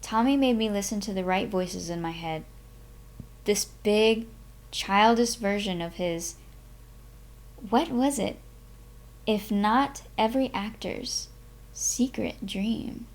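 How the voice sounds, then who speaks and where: A woman hosting a live stream, speaking in an expressive, unhurried way with dramatic, drawn-out phrasing. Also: medium pitch. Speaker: host of a live reading stream. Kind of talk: expressive audiobook-style reading and casual stream chat.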